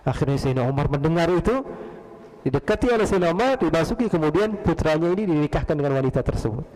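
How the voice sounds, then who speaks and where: A man's voice: fairly high pitch, expressive, fast, a little mellow. A man preaching a storytelling sermon, acting out the voices in his tale and putting questions to the audience. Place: large mosque hall. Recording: long hall reverb.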